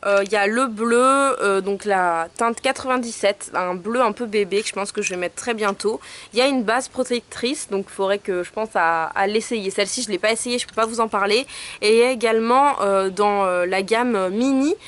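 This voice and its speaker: A woman's voice: mid-range voice, normal speed, fairly bright tone. A young woman chatting casually in a haul vlog, showing products with many hesitations. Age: young adult. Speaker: beauty vlogger.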